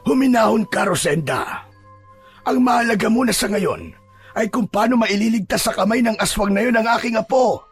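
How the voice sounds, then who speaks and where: A man acts as an old grandfather in an audio drama. His voice is very husky and gravelly, a little high for a man. He sounds gentle, earnest and remorseful. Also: expressive, normal speed, soft background music, heavily acted. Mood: concerned, soothing. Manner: earnest, soothing. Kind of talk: Filipino audio drama acting.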